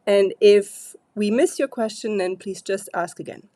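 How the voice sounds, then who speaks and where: A woman's voice: medium pitch, measured pace, warm tone, no echo, studio quality. Stuffy-voiced woman hosting a craft stream. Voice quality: frequent throat clearing and fillers. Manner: friendly, chatty, loosely paced. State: stuffy, congested voice. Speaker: host of a live card-making stream. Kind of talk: casual live-stream chat.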